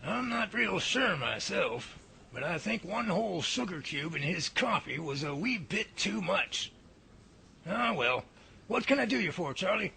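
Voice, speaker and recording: A man's voice: sits high, very animated, a little slow, creaky, sharp tone, slight background noise, full character voice. A man playing a folksy, joking research professor who drawls country sayings.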